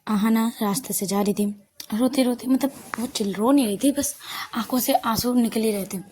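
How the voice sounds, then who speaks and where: A woman's voice: a little high, moderate pace, darkish tone. A woman host narrating a love story in a casual, chatty way, with informal asides and stretches near a whisper.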